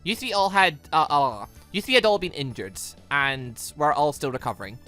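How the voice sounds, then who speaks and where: A gaming host giving excitable, rambling commentary and reading visual novel dialogue aloud, often repeating words. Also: mid-range voice, normal speed. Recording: music behind the voice. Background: background music.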